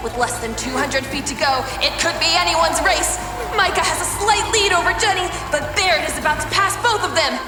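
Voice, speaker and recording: A woman's voice: very high voice, a little fast. A woman narrator delivering scripted narration and commentary for an audio drama. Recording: music behind the voice.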